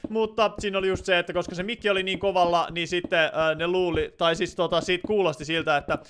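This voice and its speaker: A man's voice: high-pitched, fairly even intonation, fairly bright tone, clear, resonant tone. A young man with a Finnish accent, streaming Minecraft live and chatting to viewers, with many fillers as he answers chat. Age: teens. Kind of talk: live gameplay commentary. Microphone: desk microphone.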